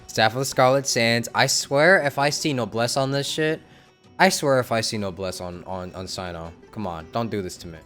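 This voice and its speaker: A young man streaming a video game, commenting in a loud, sarcastic way and swearing. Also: medium pitch, normal speed, over music.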